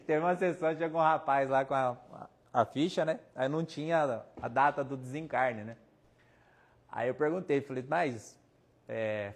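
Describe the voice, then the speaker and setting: A Brazilian man with a Brazilian Portuguese accent giving a casual spiritist talk, telling anecdotes and quoting people with jokes along the way. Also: mid-range voice. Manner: chatty, anecdotal, quotes people in his stories, jokes. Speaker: spiritist medium speaker. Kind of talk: casual storytelling talk with audience questions.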